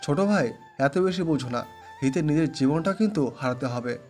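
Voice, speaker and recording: A man's voice: fairly high pitch, animated, normal speed, darkish tone, natural voice. A man playing a threatening, protective older-brother mafia boss in an audio story, speaking with commanding authority. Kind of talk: Bengali audio story voice acting. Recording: music under the voice.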